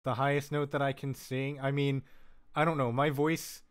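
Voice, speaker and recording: A man's voice: medium pitch, flat delivery, moderate pace, clear, resonant tone. A man hosting a casual live-stream tutorial, rambling and correcting himself with lots of "um" and "like", with jokey asides. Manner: laid-back, jokey asides. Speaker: live-stream host teaching vocal synth tuning. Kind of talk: casual technical walkthrough.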